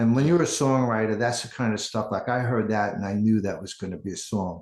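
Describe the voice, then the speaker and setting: A man with a Long Island accent speaks at a medium pitch and a fairly quick pace. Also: ordinary pitch variation. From Long Island, New York. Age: 70s. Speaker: songwriter. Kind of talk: interview.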